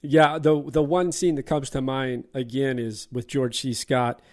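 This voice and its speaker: A man's voice: medium pitch, steady tone, a little slow. A man hosting a casual movie podcast, retelling scenes and chuckling along. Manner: laughs while retelling scenes. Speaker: podcast host.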